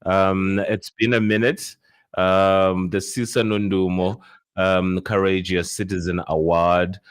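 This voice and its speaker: Laid-back South African man, low voice. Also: slow pace, clean tone, no echo, clean studio sound. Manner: rambling with many fillers and restarts; loud bursts of laughing excitement. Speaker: podcast host. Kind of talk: casual podcast chat.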